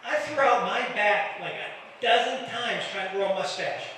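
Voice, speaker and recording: A man's voice: high-pitched, animated, moderate pace. A middle-aged or older man from the Detroit area doing a stand-up set, stammering through restarts and teasing the crowd. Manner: self-deprecating, stammering restarts, banters with the crowd. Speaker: stand-up comedian. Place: comedy club stage. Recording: echoey club from far off, crowd noise.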